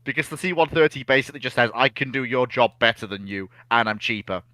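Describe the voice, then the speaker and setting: Forceful, wry man in a dry space. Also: mid-range voice, lively intonation, fast talker, dry recording. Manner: emphatic, wry, sarcastic. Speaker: livestream panellist. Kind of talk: casual opinionated chat.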